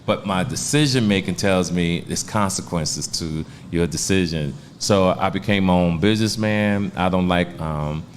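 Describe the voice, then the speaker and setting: A man's voice: low voice, moderate pace, few pauses, slight background noise. A man in his sixties, a stand-up comedian telling stories in a laid-back, streetwise way during a casual interview. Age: 60s.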